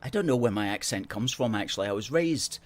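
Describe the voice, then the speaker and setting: Fast and lively in intonation, the lowish voice belongs to a middle-aged host born in Hong Kong who has an educated Scottish accent. He responds to livestream comments in a sardonic, chatty way.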